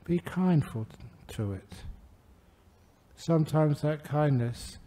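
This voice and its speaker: An older man, a Buddhist monk giving a gentle, humorous dharma talk to a gathering. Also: on the high side, lively intonation, takes it slowly. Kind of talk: relaxed dharma talk with anecdotes.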